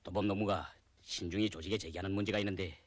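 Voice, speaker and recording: An actor playing a loyal, frank revolutionary fighter in a period film, speaking with a North Korean accent. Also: male voice, sits low, fairly even intonation, fast talker, no room sound, lightly acted. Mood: serious.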